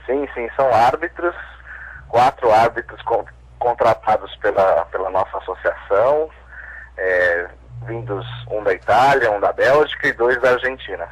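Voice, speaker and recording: A man's voice: lowish voice, moderate pace, husky, low-quality recording. A man with a Brazilian Portuguese accent, an event organizer speaking as a radio guest, hesitant with many restarts. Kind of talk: phone-in radio interview.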